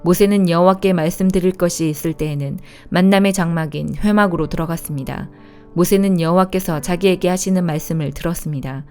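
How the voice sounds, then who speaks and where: Low, mellow-voiced woman reading scripture. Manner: calm, measured reading aloud. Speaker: Bible reader. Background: faint instrumental music.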